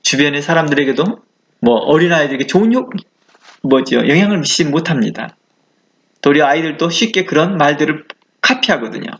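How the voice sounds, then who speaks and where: A man's voice: a little high, fairly bright tone, lo-fi sound. A male pastor giving a conversational sermon, asking the listeners questions and acting out the exclamations he quotes. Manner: conversational preaching with rhetorical questions.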